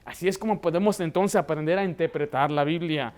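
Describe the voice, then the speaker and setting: A man's voice: fairly high pitch, fairly quick, a little mellow, slight background noise. A man preaching a Baptist sermon as pastor, telling stories and raising his voice to stress a point. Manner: preaching with anecdotes, voice rising for emphasis.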